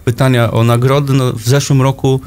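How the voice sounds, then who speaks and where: A man's voice: medium pitch, level tone, brisk, darkish tone, slight background noise. A man taking part as a guest in a radio interview, listing points hesitantly with many fillers. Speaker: guest official. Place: radio studio.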